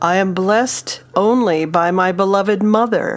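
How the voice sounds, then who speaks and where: A female-sounding put-on character voice growls at a middle pitch and a moderate pace. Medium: read story. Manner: terse and guarded.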